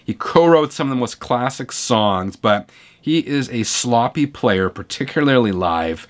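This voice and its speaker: A man in his forties hosts his music channel, his voice hoarse from a week-long cold. He talks in a chatty, opinionated way, close to the camera in a home room full of vinyl shelves, with an ordinary mid-range pitch. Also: lively intonation, unhurried. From Canada. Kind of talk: casual reading of viewer comments. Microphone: camera close up at desk.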